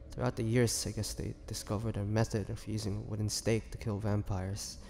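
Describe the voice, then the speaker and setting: A man playing a weary, bitter young half-vampire prisoner in a dramatic audio roleplay, speaking haltingly and sorrowfully. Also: on the low side, level tone, gravelly, a little mellow. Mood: resigned, weary. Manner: slow, halting, sorrowful delivery with sighs and pauses. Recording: long hall reverb, faint noise.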